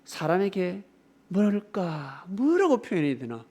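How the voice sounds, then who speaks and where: A male pastor preaching a sermon, emphatic and swinging between loud exclamations and softer asides, often asking the congregation rhetorical questions. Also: sits high, sing-song, unhurried.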